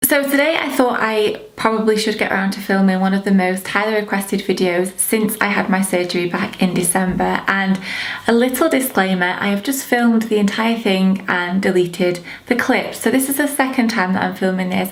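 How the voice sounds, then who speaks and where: Noticeable background noise sits behind a woman at medium pitch. She talks at a fairly quick pace with ordinary pitch variation. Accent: Northern English. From North West England. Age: 20s. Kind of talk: casual talk to camera.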